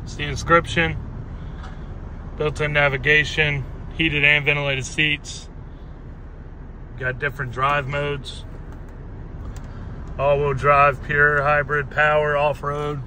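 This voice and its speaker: A man speaks in a monotone, flat way at a fairly slow pace with long, frequent pauses, the sound dry with no echo and light background noise behind it. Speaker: car salesman. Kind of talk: casual walkaround commentary. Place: street. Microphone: phone near.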